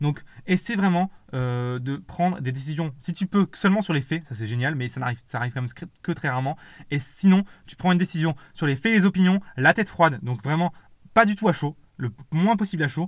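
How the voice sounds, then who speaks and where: In a very clean recording with a silent background, a man with a fairly high pitch speaks at a fairly quick pace with lively intonation. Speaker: podcast host and 3D animation teacher. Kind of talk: solo podcast monologue. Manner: fast; casual, many hesitations.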